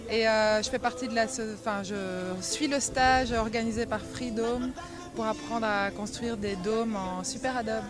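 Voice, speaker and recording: A woman's voice: on the high side, steady tone, normal speed. A woman from Belgium, a workshop participant, introducing herself with some hesitation and self-correction. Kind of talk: interview answer. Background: music.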